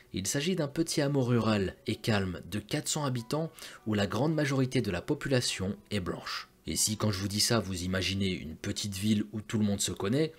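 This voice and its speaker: A man with a low, husky voice tells a true crime story to his viewers. He keeps it conversational and drops in light joking asides between the facts. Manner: chatty, addresses viewers directly with joking asides. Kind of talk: casual true crime narration.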